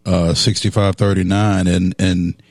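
A man co-hosting a local sports radio show, easygoing and unhurried, with plenty of ums. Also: sits low, little pitch movement, darkish tone, no echo, clean studio sound. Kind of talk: casual sports talk radio.

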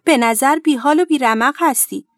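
A woman's voice: high voice, no echo, studio quality, lightly acted. A woman doing an eager little fish. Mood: urgent worried. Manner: anxious, calling out loudly.

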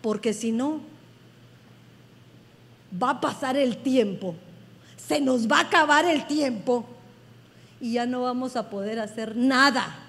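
A woman's voice: a little high, takes it slowly, long pauses. A woman pastor giving an effusive, emphatic sermon. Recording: long hall reverb.

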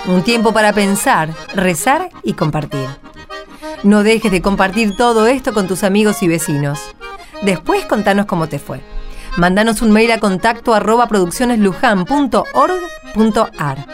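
A woman's voice: mid-range voice, animated, moderate pace, music in the background. A woman with an Argentine accent reading scripted narration as a radio presenter.

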